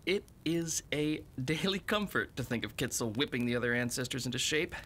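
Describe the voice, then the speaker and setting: Actor as an earnest young village man, bright voice. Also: mid-range voice, expressive, fairly quick, a little hiss or hum. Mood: wistful, earnest. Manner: earnest, wordy, dramatic. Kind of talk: audio drama acting.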